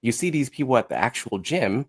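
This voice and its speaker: Chatting informally as a podcast guest, an American man in his thirties likes to act out his examples in casual conversation. He speaks briskly in a medium-pitched, expressive, slightly rough voice.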